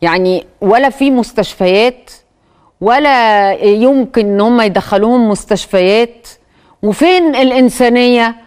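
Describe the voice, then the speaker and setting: A woman's voice: on the high side, moderate pace, darkish tone, clean tone. A woman with an Egyptian accent hosting a TV talk show, commenting on clips with hesitant fillers. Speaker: TV host.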